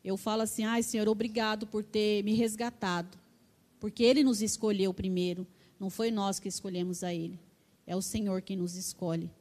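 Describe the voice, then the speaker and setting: A woman's voice: medium pitch, steady tone, moderate pace, darkish tone. A middle-aged woman with a Brazilian accent, preaching a sermon with fervent personal testimony, often tagging her sentences with "né". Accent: Brazilian Portuguese.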